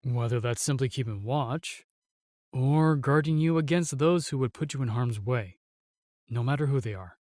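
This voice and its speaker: A man's voice: medium pitch, normal speed, darkish tone, no echo, clean studio sound, close to an everyday voice. An actor playing a protective male knight in a fantasy audio roleplay, formal, courteous and earnest. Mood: gentle, courteous.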